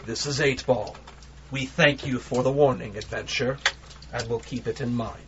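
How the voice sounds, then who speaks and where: A man voicing a terse ship pilot with a dark, gravelly voice and curt, formal manner. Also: medium pitch, fairly even intonation, moderate pace, close to an everyday voice. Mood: cool, polite. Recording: dull lo-fi recording with background noise.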